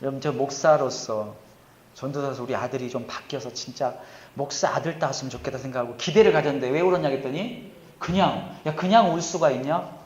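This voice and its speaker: Male pastor, sermon, asks and answers his own questions, swings loud to quiet, roomy echo. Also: mid-range voice, quick pace, highs cut off. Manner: asks the congregation questions and answers them himself; swings between loud emphasis and quiet asides.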